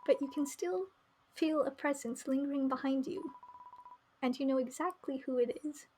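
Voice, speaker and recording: A woman's voice: sits high, moderate pace, mellow, slight background noise. A woman streaming a game, reading its narration aloud and commenting as she goes, with music behind her.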